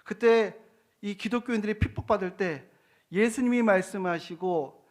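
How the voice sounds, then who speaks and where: A man's voice: high voice, moderate pace. Earnest middle-aged male pastor preaching. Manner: earnest, posing rhetorical questions to the congregation. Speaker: senior pastor. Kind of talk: sermon.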